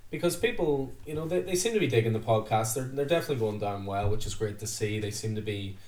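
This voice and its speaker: A man's voice: on the low side, lively intonation, quick pace, darkish tone. A man hosting a casual podcast chat, rambling and chatty with filler words. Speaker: podcast host, comic shop staff. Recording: roomy, distant mic.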